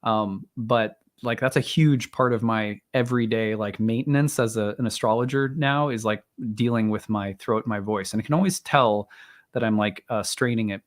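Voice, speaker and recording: A man in his thirties or forties hosting an astrology livestream. He talks casually and rambles, with many fillers and restarts, and clears his throat now and then because his voice is strained and tiring. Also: lowish voice, fairly even intonation, moderate pace. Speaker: astrologer, live stream host. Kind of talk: casual livestream talk and chart reading.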